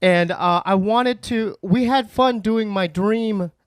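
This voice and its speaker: A man's voice: sits high, takes it slowly, clear, resonant tone, no echo, studio quality. A man in casual podcast chat, confiding hesitantly with fillers and small laughs.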